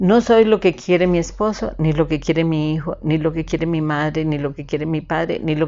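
A woman talks at a moderate pace in a fairly low pitch. It is an unremarkable speaking voice. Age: 60s. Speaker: podcast host. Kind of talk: solo monologue.

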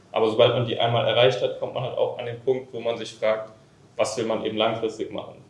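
The speaker is a man with a fairly quick pace. Audible room echo surrounds his voice. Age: 20s. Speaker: online retail entrepreneur. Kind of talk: interview. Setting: host's villa.

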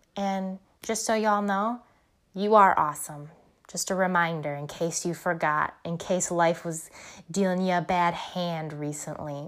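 On a very clean recording with a silent background, a woman with an animated tone and lively intonation speaks at a fairly slow pace and medium pitch. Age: 20s. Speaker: fitness podcast host and recreational therapist. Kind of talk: casual solo podcast monologue.

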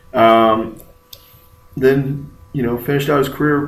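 Amid noticeable background noise, a man with an American accent speaks at a fairly slow pace, his fairly high pitch held in fairly even intonation. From Houston, Texas. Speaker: sports podcast host. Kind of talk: casual chat.

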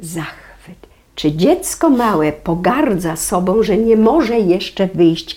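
A woman speaks at a very slow pace and a medium pitch. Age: 70s. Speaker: opera singer and voice teacher. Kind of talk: interview. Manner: animated.

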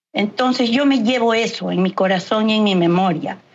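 A woman uses a normal speaking voice, fairly high in pitch with ordinary pitch variation, at a moderate pace. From Peru. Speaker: hospital cleaning worker. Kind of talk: interview.

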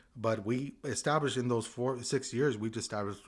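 A man talks with ordinary pitch variation. The recording is very clean and the background silent. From South Orange County, California (Mexican-American). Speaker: surgical trauma tech. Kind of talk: interview testimony.

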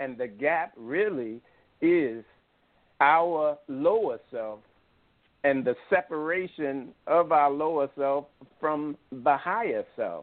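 A man with a fairly high pitch at a very slow pace, with long, frequent pauses. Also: ordinary pitch variation. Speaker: co-host of own show. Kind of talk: radio interview.

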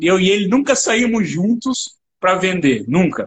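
This man speaks in a high voice with ordinary pitch variation. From Brusque, Santa Catarina, southern Brazil. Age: 30s. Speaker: cosmetics company executive, former sales representative. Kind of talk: casual interview in a live stream.

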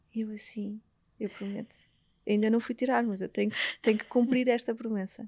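A woman with a fairly high pitch speaks at a moderate pace with a dark, mellow tone, somewhat breathy delivery, monotone, flat intonation and long, frequent pauses. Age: 40s. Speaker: podcast guest, host's cousin. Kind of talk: personal life story interview.

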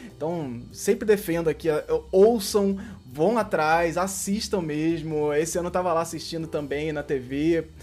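With music playing behind him, a man speaks slowly-ish at a high pitch with ordinary pitch variation. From Rio de Janeiro, Brazil. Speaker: podcast host and creator of the channel. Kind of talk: casual panel discussion.

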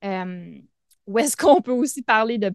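A woman's fairly high voice, dry and close with no echo, over a quiet background. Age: 30s. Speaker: podcast host and wellness coach. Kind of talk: personal testimony monologue. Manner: animated.

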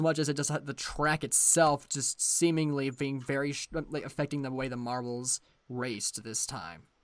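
A man with a normal speaking voice, fairly high pitch and ordinary pitch variation at a moderate pace, in a very clean recording with a silent background. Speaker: podcast co-host, student. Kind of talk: casual chat.

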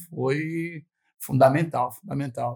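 Speaking in a São Paulo accent, a man has a somewhat breathy, dark, mellow tone at a fairly high pitch. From São Paulo, south zone. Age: 40s. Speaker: samba percussionist. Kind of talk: casual chat.

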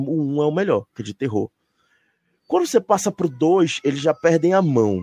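A man talks at a moderate pace in a fairly high voice with a dark, mellow tone and lively intonation. The sound is dry and close with no echo, over a quiet background. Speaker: teacher and YouTuber. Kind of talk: casual live-stream chat.

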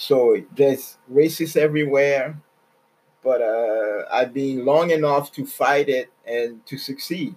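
This man talks at a very slow pace with a Quebec accent. His pitch varies in an ordinary way. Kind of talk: casual monologue podcast. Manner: rambling, filler-heavy, upbeat.

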